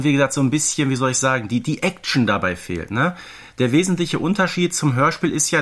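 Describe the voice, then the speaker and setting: Male podcast co-host, medium pitch, conversational, explains casually. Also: fairly bright tone. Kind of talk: casual fan podcast chat.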